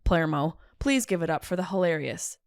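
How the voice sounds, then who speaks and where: A woman's voice: lowish voice, animated, brisk, heavy background noise. Brash woman hosting a comedy podcast. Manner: brash, profane, playful. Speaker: podcast host. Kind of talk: casual comedy podcast chat.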